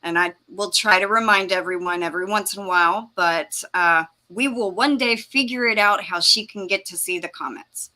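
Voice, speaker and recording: Bright-voiced chatty woman host. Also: medium pitch, normal speed, hardly any pauses. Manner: chatty, laughs often, fumbles with the stream software. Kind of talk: casual live-stream chat, reading out viewer comments.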